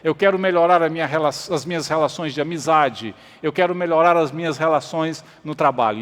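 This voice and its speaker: Male pastor preaching emphatic, kinda high voice, echoey church hall, soft music behind. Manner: emphatic preaching with rhetorical questions and repetition. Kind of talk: sermon.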